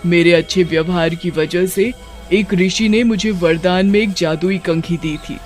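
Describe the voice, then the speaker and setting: एक औरत की आवाज़ में नदी की दयालु बूढ़ी चुड़ैल. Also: female voice, lowish voice, unhurried, soft background music, close to an everyday voice. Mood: gentle. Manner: gentle, soothing. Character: kindly old female river witch. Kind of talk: children's storybook voice acting.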